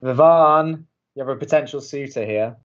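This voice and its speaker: A man's voice: mid-range voice, normal speed, dull audio, close to an everyday voice. Man playing a dry, awkward young co-host. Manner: dry, hesitant. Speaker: college radio co-host character. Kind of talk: audio drama acting.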